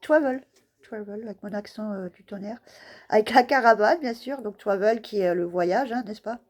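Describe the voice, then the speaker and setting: A woman's voice: medium pitch, moderate pace. A woman casually showing craft stamps in a vlog, talking hesitantly with many fillers and laughing at her own guesses. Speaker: scrapbooking vlogger.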